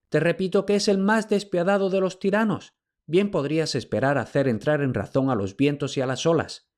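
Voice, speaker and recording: A man's voice: on the high side, a little mellow, voice pushed up, natural voice. A man voicing a queen in hiding who speaks with urgency and pleads with her husband.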